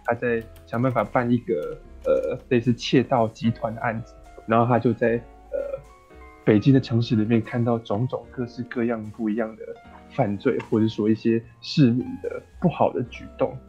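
Taiwanese-accented man with a mellow podcast voice. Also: mid-range voice, steady tone, moderate pace, highs cut off, faint music behind. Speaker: film podcast co-host. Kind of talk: casual film discussion.

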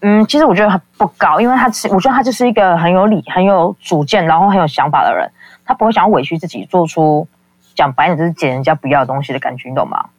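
Fast-talking caller. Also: medium pitch, no echo. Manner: rambling, lots of fillers, acts out quoted people. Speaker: call-in guest. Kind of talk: casual confessional storytelling.

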